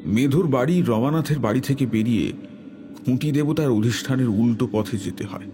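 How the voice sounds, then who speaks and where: A man narrating a scripted horror tale in the first person, with measured, literary storytelling. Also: mid-range voice, background noise.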